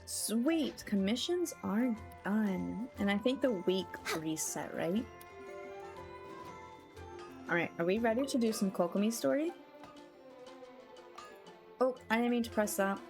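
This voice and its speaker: A woman's voice: medium pitch, expressive, unhurried, long pauses, a little mellow. A woman streaming a video game and chatting casually with her viewers in a playful, giggly way. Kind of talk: casual live-stream chat. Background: faint game music.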